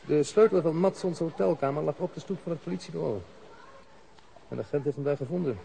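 An actor playing a courteous, evasive police official in a radio play, speaking in a measured, officious way. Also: male voice, a little high, creaky, dark tone, slight background noise, poor audio. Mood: guarded, officious. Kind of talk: Dutch radio play acting.

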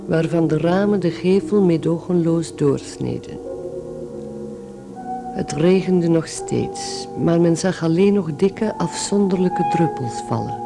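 A man's voice: on the high side, creaky. A man reading scripted literary narration in a radio play, with music playing behind.

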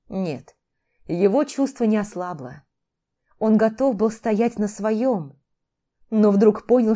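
A woman narrating a fantasy audiobook in a measured, dramatic reading. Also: mid-range voice, mellow.

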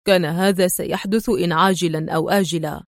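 A woman voicing a stern, sharp-witted Arab agent man who talks in a curt, firm way. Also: high voice, fairly quick, no echo, clean studio sound.

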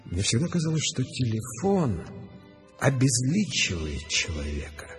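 A man's voice: mid-range voice, huge pitch swings, unhurried, faint music behind. An actor playing a gleefully rebellious, eccentric arrested man in a radio drama, telling his tales in a wry, theatrical manner. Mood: brooding, intense.

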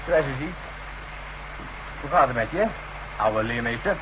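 A cocky younger workman, acted by a man in a radio play, mid-pitched and brash, always teasing in everyday slangy speech. The old recording is clearly noisy. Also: animated, unhurried, lightly acted. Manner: brash, mocking, colloquial. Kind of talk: radio drama acting.

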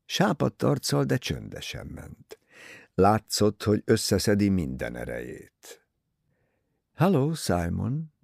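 A man narrating an audiobook in an expressive, dramatic reading. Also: on the low side, vocal fry, dry recording, studio quality. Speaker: audiobook reader. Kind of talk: scripted narration.

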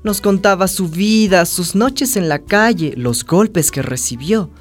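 A woman's voice: fairly low pitch, lively intonation, measured pace, faint music behind. A woman playing a hopeful, sensitive young trans woman who confides her life story in a radio drama. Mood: reflective narrating. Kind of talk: radio drama narration and dialogue.

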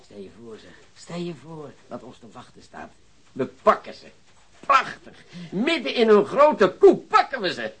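An actor playing an excitable, gloating police investigator in a radio drama, exclaiming and repeating his words. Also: high-pitched, a little slow, slightly rough, full character voice. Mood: eager, gloating. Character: excitable, gloating male police investigator eager for a big catch. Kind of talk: Dutch radio drama acting.

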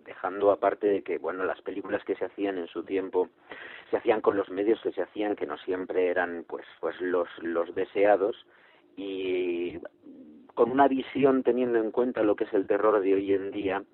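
A man's voice: sits low, fairly even intonation, moderate pace. Man, hesitant, over a tinny phone line. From Spain. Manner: hesitant, many filler sounds, earnest. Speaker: actor interviewed as guest. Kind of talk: phone interview.

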